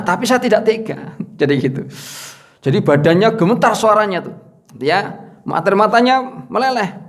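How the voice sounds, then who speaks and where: A man preaching a sermon, telling a story in a casual, chatty way with many fillers. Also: mid-range voice.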